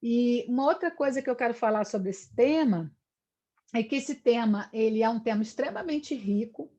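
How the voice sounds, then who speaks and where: Lecturing on history in a live online session, a middle-aged Brazilian woman speaks at a moderate pace with a fairly high, mellow voice and lively intonation. She goes on in long discursive runs, sprinkling in "né?" as a tag.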